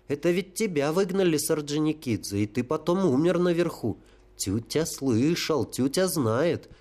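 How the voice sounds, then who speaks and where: A man's voice: fairly high pitch, a little mellow, pitched above the performer's own voice. A man voicing a tearful, simple-minded holy fool who talks about himself like a child. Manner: childlike pleading, stuttering.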